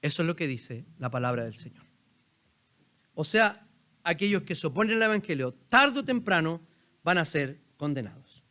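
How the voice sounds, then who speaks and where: A man with a Chilean accent delivers a sermon from the pulpit of a church. His voice sits high for a man, and he keeps it conversational, firing questions at the congregation. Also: sing-song, moderate pace, long pauses, pushed and bright. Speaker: pastor. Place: church sanctuary.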